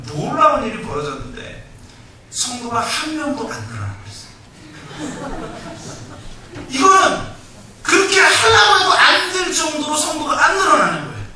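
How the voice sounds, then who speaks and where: A male pastor preaching a sermon emphatically, swinging between shouts and hushed asides. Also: extremely high pitch. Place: church sanctuary. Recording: echoey hall, distant mic, faint noise.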